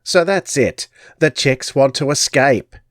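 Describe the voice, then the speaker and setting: A man's voice: medium pitch, takes it slowly, fairly bright tone, no echo, clean studio sound, voice pushed up. A man voicing a stooped old gypsy crone who cackles and croons menacingly. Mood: gloating.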